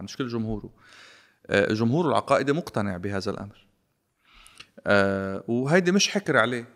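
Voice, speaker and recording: A man with a Lebanese Arabic accent, talking politics in a casual, sarcastic, animated way and slipping into English phrases. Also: on the low side. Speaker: guest commentator.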